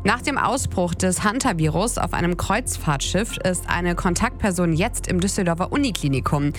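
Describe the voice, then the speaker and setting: A woman anchoring a local radio newscast, reading items in an even, measured way. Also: lowish voice, soft background music. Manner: even, measured news delivery. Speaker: news anchor. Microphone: studio mic.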